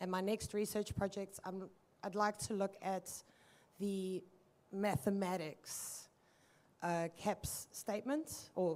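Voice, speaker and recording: With a medium pitch, a woman talks in a normal speaking voice. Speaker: education researcher in audience; audience member. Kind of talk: audience comment. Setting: hall with audience. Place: hall. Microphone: handheld.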